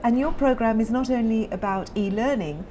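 A woman's voice: on the high side, normal speed, dark tone. A middle-aged woman interviewing as a journalist in a polished broadcast style. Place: large indoor conference venue lobby.

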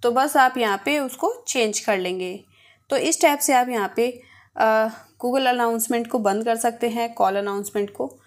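This phone tutorial host has a fairly high-pitched voice and keeps a measured pace. She speaks straight to viewers, guiding them step by step in a relaxed, instructional manner.

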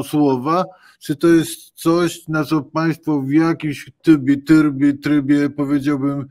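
Man hosting a video-call panel, halting questions. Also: on the high side, a little mellow. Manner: hesitant, repeats words while framing questions. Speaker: host. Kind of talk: political panel discussion. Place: home study with bookshelves.

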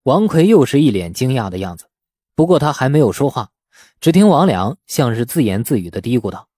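A man narrating a novel as an audiobook, telling the story in an expressive, dramatic scripted style. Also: mid-range voice, brisk, husky, dry recording, clean studio sound.

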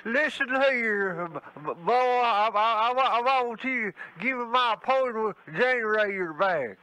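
Guy doing a sputtering old southern redneck, stammers every word, high bright slow voice. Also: animated, heavily acted, rough recording. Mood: sputtering, angry. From Georgia. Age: older. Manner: heavy stutter, repeats words. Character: stuttering old Georgia redneck man in a wheelchair. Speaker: prank caller.

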